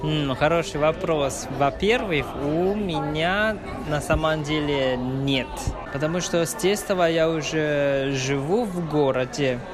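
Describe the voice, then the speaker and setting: Slow-speaking man, higher voice. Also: a crowd in the background. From Taiwan. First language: Atayal. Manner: slow, searching for words. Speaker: co-host. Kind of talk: casual chat on a museum tour. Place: museum exhibition.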